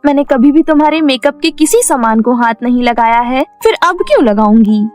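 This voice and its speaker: A woman voicing a meek, kind young orphan girl working as a maid in a cartoon story, speaking gently and pleadingly. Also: sits high, animated, fairly quick, soft background music.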